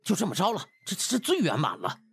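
A man's voice: high-pitched, wildly swooping pitch, brisk, gravelly, husky, pitched above the performer's own voice, full character voice. A man voicing a desperate, pushy butler in an audiobook, stammering and pleading in colloquial speech. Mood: excited, urging. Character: anxious, desperate, pushy male household butler.

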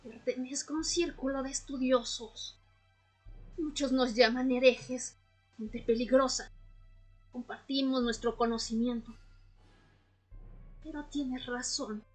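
A woman playing a patient, enigmatic vampire scholar in a radio drama, speaking in a measured, solemn way. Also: sits high, fairly even intonation, husky, soft background music, full character voice, low-quality recording. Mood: instructive, measured. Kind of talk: Spanish-language amateur radio drama acting.

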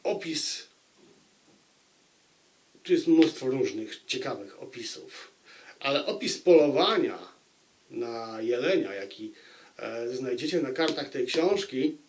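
A man giving an informal spoken book review to viewers, deliberate, with dramatic pauses and repeated phrases for emphasis. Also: medium pitch, animated, slight background noise. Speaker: book review channel host.

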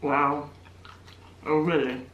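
A woman hosting a mukbang, talking casually while chewing her food, in a relaxed, drawling manner. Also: sits low, slow, lo-fi sound, a little hiss or hum. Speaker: mukbang host. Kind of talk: casual chat while eating. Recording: echoey room, a bit far from the mic.

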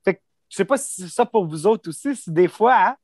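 A man's voice: high-pitched, expressive, fairly quick, a little mellow, husky, no echo. A man with a Franco-Ontarian French accent, talking casually as a panelist and leaning on lots of informal fillers. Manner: loose and informal, full of "tu sais" and "comme".

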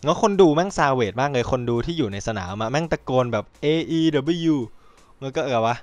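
Excitable guy ranting on his podcast, cusses a lot, dry close sound. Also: medium pitch, fast talker, no echo. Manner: rambling, excitable, swears freely, acts out quotes. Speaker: podcast host. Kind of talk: casual chat.

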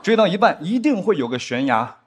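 A young adult man performing a stand-up comedy set on a studio stage, animated, now and then acting out stiff drama lines in a lower voice. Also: brisk, husky. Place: studio stage with live audience. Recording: studio stage with audience laughter. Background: audience laughter.

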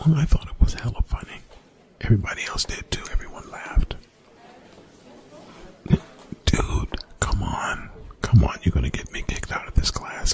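A man playing a young college bully in an ASMR roleplay, gruff, defensive and grudgingly apologetic, in hushed, breathy, exasperated slang with swearing. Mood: irritated, impatient. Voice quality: whispered, breathy, gravelly low voice.

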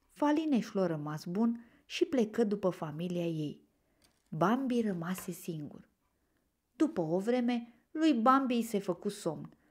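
A woman narrating a children's storybook aloud, expressive and gentle. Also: fairly low pitch.

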